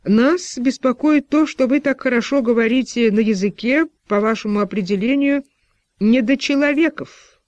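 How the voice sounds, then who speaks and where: A man's voice: extremely high pitch, moderate pace, dry recording, muffled recording, pitched above the performer's own voice. A man voicing a stern postwar official who interrogates with pressing, insinuating questions.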